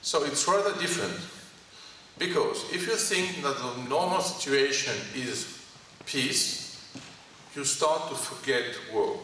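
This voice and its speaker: A man with a Greek French accent giving a lecture to an audience in a college hall, speaking in short halting phrases and asking the audience questions. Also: medium pitch, lively intonation, bright, forceful tone. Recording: echoey hall from far off, faint noise.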